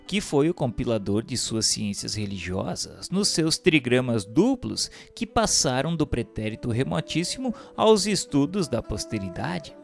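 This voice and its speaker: A Brazilian man giving a solemn, scripted spiritual narration in a formal, measured, declamatory way. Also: medium pitch, creaky. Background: instrumental music.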